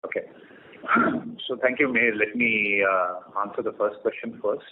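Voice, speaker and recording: A man with an Indian accent answering questions as a company executive on an earnings call, explaining in a measured way. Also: lowish voice. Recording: tinny phone line with clear noise.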